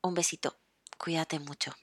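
Expressive woman, low-pitched voice. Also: normal speed, husky, dry recording. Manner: chatty and expressive, with lively laughs. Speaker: podcast host and Spanish teacher. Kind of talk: casual podcast lesson.

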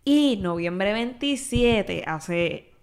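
A woman co-hosting a podcast in relaxed, casual talk. She is chatty and slips English words into her Spanish. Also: mid-range voice, extremely slow, clear, resonant tone. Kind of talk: casual chat.

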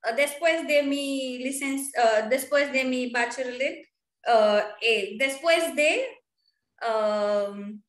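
Guest: Indian woman, native Marwari, slow and careful, pauses to find words. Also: sits high, reverberant. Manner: hesitant, searching for words. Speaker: guest, Spanish teacher. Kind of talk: interview.

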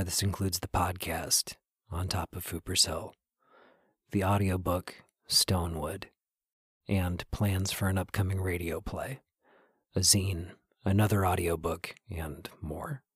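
A man with a husky, breathy voice narrating a scripted podcast introduction in a measured, earnest way. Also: deep voice, a bit bright, no echo, clean studio sound. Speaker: podcast writer, producer and host.

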